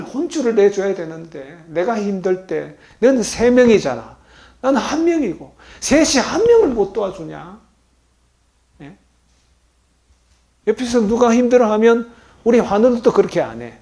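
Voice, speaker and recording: Gravelly male pastor preaching in an echoey hall. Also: very high-pitched. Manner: asks the congregation questions and swings between loud and soft. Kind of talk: sermon to a congregation. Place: hall at a healing retreat center.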